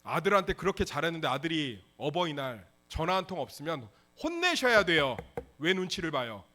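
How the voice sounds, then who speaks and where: A male pastor delivers a lively sermon, often slipping into dramatized dialogue. His voice sits high and bright. He swings widely in pitch as he preaches. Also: brisk. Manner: animated, acts out dialogues in voices.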